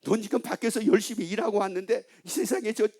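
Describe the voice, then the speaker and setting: A man's voice: high-pitched, fast, darkish tone, pitched above the performer's own voice. A male pastor voicing a taunting devil who coaxes people toward anger with repeated questions. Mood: coaxing. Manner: coaxing, needling, repeats short questions.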